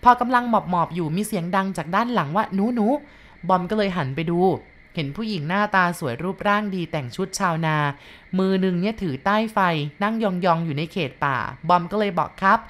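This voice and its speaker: A woman's voice: on the low side, fairly quick. A woman narrating a ghost story in a polite, conversational storytelling manner. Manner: polite and conversational, with soft sentence endings.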